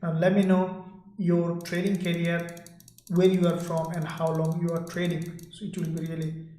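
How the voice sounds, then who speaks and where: A man's voice: fairly high pitch, completely flat delivery, moderate pace, dark tone. Echoey-voiced man talking a live trading stream. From Sydney, Australia. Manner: loose, repetitive, talks to viewers and reads chat aloud.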